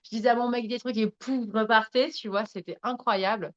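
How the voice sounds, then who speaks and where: Frank, animated woman telling her story. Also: on the high side, brisk, muffled recording. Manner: frank and earthy, swears freely, laughs at herself; animated, addresses listeners directly. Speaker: podcast guest. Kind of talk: candid storytelling in conversation.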